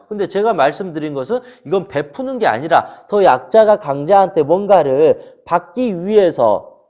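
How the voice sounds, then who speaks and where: A man's voice: fairly high pitch, darkish tone. A man giving a relationship lecture in an emphatic, teaching manner, often asking rhetorical questions. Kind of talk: spoken lecture to camera.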